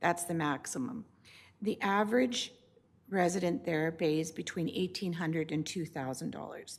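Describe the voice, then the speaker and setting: With a Canadian accent and a plain, everyday voice, a woman speaks at a moderate pace in a fairly low pitch with lively intonation, recorded very cleanly against a silent background. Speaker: seniors housing manager presenting to council. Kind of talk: presentation to town council.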